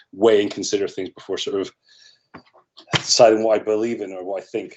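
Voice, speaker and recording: Fairly quick speech from a man with a Scottish accent. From Scotland, St Andrews. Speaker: course participant. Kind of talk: casual chat. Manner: halting.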